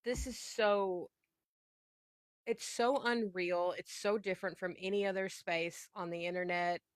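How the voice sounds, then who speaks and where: A woman's voice: lowish voice, steady tone, a little slow, smooth, dry recording. A woman hosting a casual interview, enthusiastic and agreeable, affirming her guest often. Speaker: interviewer, book community host.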